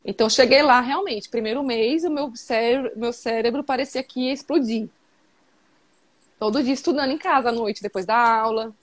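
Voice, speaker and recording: A Brazilian woman in her thirties tells her story in a chatty, emphatic way, with lots of fillers. Her voice sits a little high. The sound comes over a video call. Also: moderate pace. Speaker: interview guest. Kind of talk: casual video-call interview.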